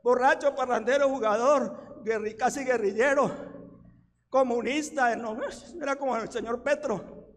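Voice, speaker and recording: An older man with a Colombian accent preaching a sermon as pastor, folksy and anecdotal, breaking into shouts at times. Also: very high voice, a little slow, in a large hall. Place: church.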